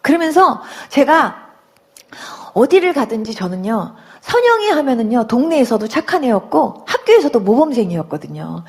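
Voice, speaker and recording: High, lively woman giving testimony. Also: normal speed. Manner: animated storytelling, acting out her own past words. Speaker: church testimony speaker. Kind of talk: emotional religious testimony.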